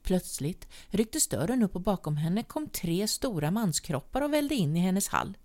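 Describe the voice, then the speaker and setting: A woman reading a short story aloud as narrator, measured and at times sinking to a whisper. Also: medium pitch, sing-song, a little mellow. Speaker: audiobook reader.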